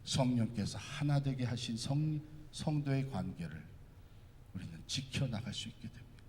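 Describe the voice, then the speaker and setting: A man's voice: medium pitch, expressive, moderate pace, a little mellow, a little hiss or hum. A man preaching a sermon as pastor, with impassioned, repetitive cadences. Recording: echoey church hall.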